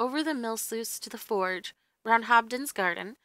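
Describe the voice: Quiet background behind plain reading aloud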